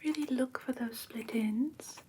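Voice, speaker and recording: A woman playing a gentle vampire teacher in a whispered ASMR roleplay lesson, patiently instructing in a breathy whisper close to the microphone. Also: high-pitched, measured pace, a little hiss or hum. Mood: gentle, instructive. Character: gentle female vampire teacher of human pet care. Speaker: host of a roleplay class, as instructor.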